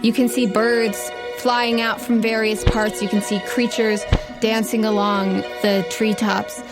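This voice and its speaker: Female game master and podcast host, higher-pitched voice, narrating over loud music. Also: little pitch movement, measured pace. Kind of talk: narrating a tabletop game, addressing listeners. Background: music behind the voice.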